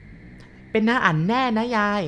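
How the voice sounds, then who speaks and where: A woman's voice: a little slow, a bit bright, close to an everyday voice. A woman doing a timid young village boy. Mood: pleading.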